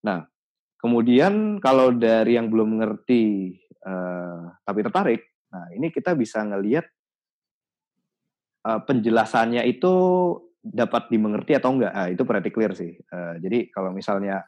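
A man in a casual podcast chat, explaining his advice thoughtfully with many pauses and restarts. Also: fairly low pitch, expressive, a little mellow. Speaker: podcast guest.

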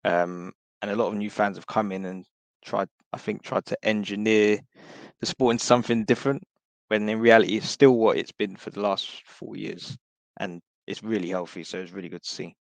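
A hoarse man with a low, gravelly voice rambles through his thoughts on a podcast panel, with plenty of fillers and restarts. The sound is dry and close. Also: steady tone, fairly quick, no echo. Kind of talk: casual chat.

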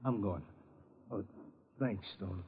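An actor playing a tough, broke prizefighter in a 1950s radio drama, husky-voiced and full of streetwise slang. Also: male voice, on the low side, takes it slowly, heavy background noise. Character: tough, broke male prizefighter, worried father. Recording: dull old radio broadcast.

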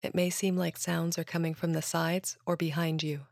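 A woman calmly reading a listener advisory in a measured way. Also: lowish voice, gravelly, no room sound, studio quality. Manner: calm and measured. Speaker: content advisory announcer. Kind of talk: scripted announcement.

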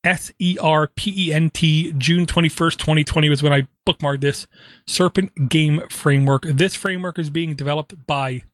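A man from Ireland co-hosting a casual tech podcast, talking in animated, opinionated bursts with frequent fillers. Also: fairly high pitch, normal speed, no room sound. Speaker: podcast co-host.

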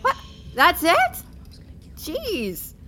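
A woman's voice: very high voice, wildly swooping pitch, very slow, sharp tone, a little hiss or hum, exaggerated voice. An actress playing a peppy, teasing female tour guide talking to schoolchildren in an audio drama, chirpy and over-enthusiastic. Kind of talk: naturalistic audio drama acting.

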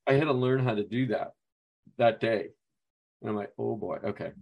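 A man's voice: medium pitch, normal speed, gravelly, dull audio. A male podcast co-host with an ordinary mid-range voice who rambles through anecdotes, full of fillers and little quoted lines. His delivery is casual and chatty. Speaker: podcast co-host, basketball coach. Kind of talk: casual storytelling chat.

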